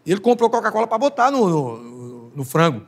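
High husky-voiced talk show host. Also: male voice, brisk. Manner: joking, animated storyteller. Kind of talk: lively TV talk show hosting. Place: TV studio, indoors.

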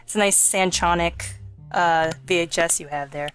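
A woman's voice: lowish voice, normal speed, fairly bright tone. A woman giving casual, joking video game commentary as the host, with a wry manner. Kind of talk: casual let's play commentary. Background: game music.

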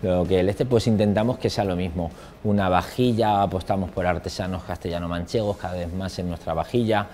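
A chef calmly explaining his plating in an interview voice-over. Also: deep voice, fairly quick.

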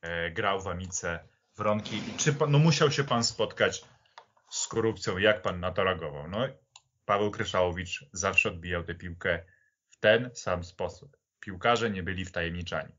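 A low-pitched man talks through sports history as on a podcast. His delivery is conversational and explanatory, in long measured sentences. The audio is a little dull and band-limited. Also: fairly bright tone. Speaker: football podcast speaker.

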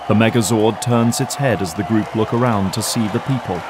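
A man's voice: lowish voice, brisk, a crowd in the background, noisy background. A man giving dramatic scripted narration for an audio drama.

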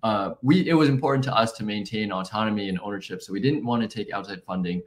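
A man answering interview questions in a relaxed, conversational way with frequent fillers. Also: fairly low pitch, quick pace. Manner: relaxed, many fillers and restarts. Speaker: guest, marketing founder.

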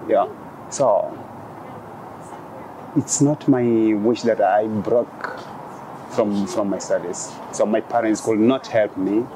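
Young man, from Kenya, low-pitched, halting restarts, faint street noise, lapel mic. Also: steady tone. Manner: halting, with frequent restarts and fillers. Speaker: guest. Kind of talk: conversational interview. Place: outdoor glass dome on a city square.

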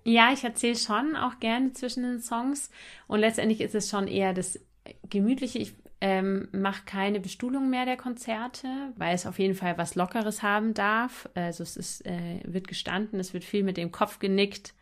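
A woman's voice: medium pitch, steady tone, normal speed. A woman talking casually and enthusiastically as a musician guest in a podcast interview, in informal language.

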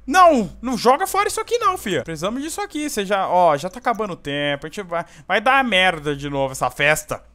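Gamer brasileiro agitado e falante. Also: male voice, high-pitched, fast talker, few pauses. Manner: excitable, scolding the characters, slangy. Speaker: gameplay host. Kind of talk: casual gameplay commentary.

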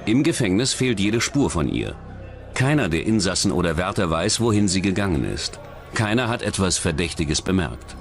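A man's voice: sits low, very animated, normal speed, faint music behind. A man reading scripted narration for a true-crime documentary.

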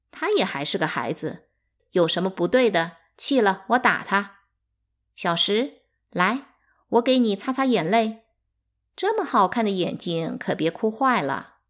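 A woman's voice: mid-range voice, animated, a little slow, a bit bright. A woman reading aloud, voicing a scheming middle-aged concubine who speaks slyly, with false sweetness.

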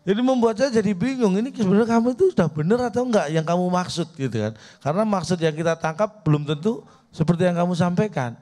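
Male comedy judge, slightly high voice, deadpan mock-serious teasing. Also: fast talker. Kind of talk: bantering critique on a TV comedy show. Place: TV studio.

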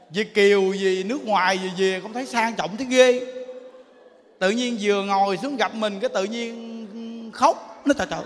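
A Buddhist monk giving a humorous sermon in a temple hall, chatty and teasing. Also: male voice, very high-pitched, a bit bright, slight background noise. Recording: long reverb of a large hall.

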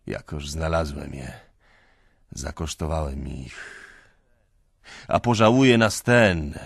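A man's voice: a bass voice, creaky, breathy edge, dry recording, clean studio sound, full character voice. A man reading an audiobook, voicing a drunken aging clerk who pleads and preaches in a wavering, pitiful voice. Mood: anguished.

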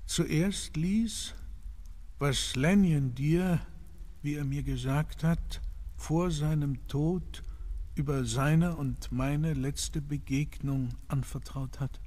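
Man as worried gentleman, husky and slow. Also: on the high side. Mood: solemn. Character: earnest gentleman, worried loyal friend, commanding. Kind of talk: radio play dialogue.

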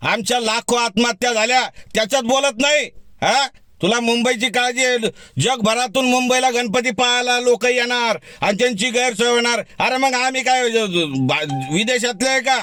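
A man speaks straight to the listener in a heated, defiant rebuttal. His voice is high and bright, and it comes through dry and close with no room around it. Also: normal speed, dry recording, faint music behind. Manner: defiant, heated, direct address. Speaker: community activist. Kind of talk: fiery video rebuttal.

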